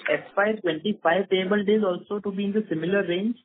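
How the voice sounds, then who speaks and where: Over a narrow, tinny phone line, a man with an Indian accent asks questions as an analyst on a business conference call. His voice is high-pitched and steady, and he speaks fast.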